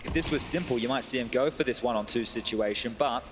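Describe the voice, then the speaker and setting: Rapid-fire male esports caster over game noise. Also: medium pitch. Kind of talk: live esports commentary and analysis. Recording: noisy game audio behind voice. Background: game sounds.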